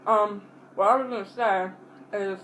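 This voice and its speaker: A woman talks casually to her audience during a meal, in an average-pitched voice. She rambles and pauses to chew between bites. Her wording is blunt and peppered with swearing, and faint noise sits behind the recording. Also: steady tone, fairly bright tone, rough recording. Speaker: mukbang vlogger. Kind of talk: casual rambling chat to viewers while eating.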